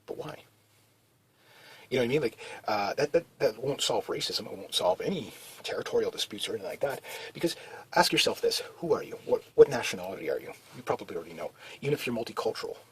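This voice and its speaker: A man's voice: mid-range voice, lively intonation, fast talker, husky. A man talking in a rambling, casual monologue, full of restarts and fillers. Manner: meandering, many restarts and "you know" fillers. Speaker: video blogger.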